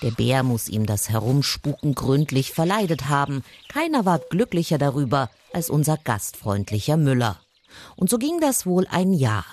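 A woman narrating a folk tale in an expressive, lively storytelling manner. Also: a bass voice, normal speed. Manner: expressive, lively storytelling with raised voice for quoted characters.

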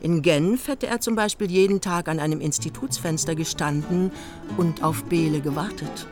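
A woman's voice: sits low, moderate pace, over music, close to an everyday voice. A woman playing a detached, matter-of-fact literary narrator in a radio drama, reading precisely.

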